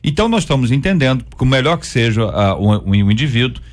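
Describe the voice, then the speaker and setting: A man with a Brazilian Portuguese accent hosting a live radio debate. He introduces guests warmly and restates their points to probe them. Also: medium pitch, sing-song, quick pace. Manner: friendly, probing, restates points.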